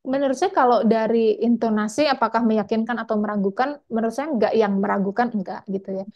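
Woman, scholarship mentor, casual feedback, chatty, video call, slightly high pitch. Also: fairly quick, darkish tone, muffled recording. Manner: casual, chatty, frequent tag words. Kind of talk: giving mock interview feedback.

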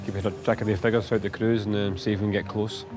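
A man, a casino manager on a cruise ship, talking quickly and chattily with staff and guests in the casino. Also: fairly low pitch, little pitch movement. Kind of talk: work talk with staff and guests. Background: music.

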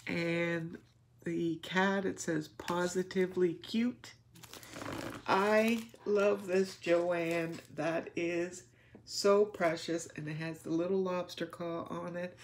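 Slow-talking gushing woman crafter. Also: on the low side, fairly even intonation, a little hiss or hum. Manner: gushing and tender, often drops to a whisper. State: emotional. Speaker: craft channel host. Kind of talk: casual gift unboxing chat.

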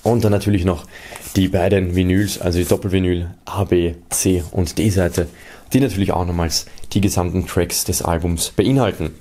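A man's voice: low voice, fairly even intonation, moderate pace, warm tone. A man hosting an unboxing video, casually and methodically describing items to viewers. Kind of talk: casual product showcase commentary to viewers.

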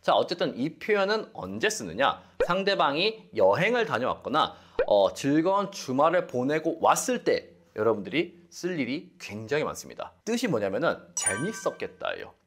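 A man's voice: a little high, huge pitch swings, normal speed, hardly any pauses, fairly bright tone. A young man teaching English phrases, explaining them animatedly and acting out sample dialogues.

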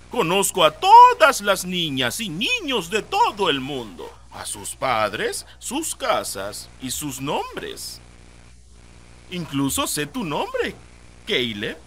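A man with a Latin American Spanish accent voicing an eerie, coaxing sleep fairy creature in a sing-song, cloyingly friendly way for an animated horror short. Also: high-pitched, takes it slowly, a little hiss or hum, voice pushed up, exaggerated voice. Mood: coaxing, sinister.

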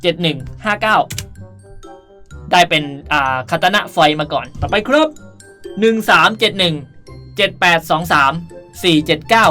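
A woman hosting a gaming video reads out item codes during a casual tutorial, chatty and playful with cutesy sentence endings. Her voice sits on the low side and sounds bright and forceful, at a moderate pace with long pauses. Music runs under her voice.

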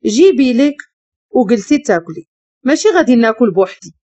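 A woman's voice: fairly high pitch, very animated, brisk, dark tone. A woman with a Moroccan Arabic accent voicing a harsh, domineering rich man who scolds and gives orders. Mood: cold. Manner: cold, scolding and commanding. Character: harsh, domineering wealthy man, master of a palace.

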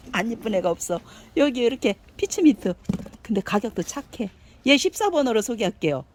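A woman giving a cheerful live sales pitch for succulent plants, gushing and exclaiming over each one and chatting aloud to herself. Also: sing-song, moderate pace, slight background noise. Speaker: succulent seller.

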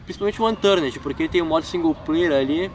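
Speaking fast in a voice that sits high for a man, a young gaúcho from Rio Grande do Sul, Brazil, works through fan questions in a chatty ramble, leaning on filler tags and self-deprecating laughs. He is a gaming YouTuber filming in a wooded park. A camera mic a few feet away records him from a distance, with distinct wind and traffic noise.

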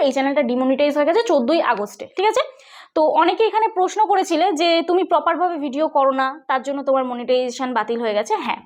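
A woman with a West Bengal accent hosting a tech vlog, explaining things chattily and often checking with listeners. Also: sits high. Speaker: tech channel host. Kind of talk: casual tutorial vlog.

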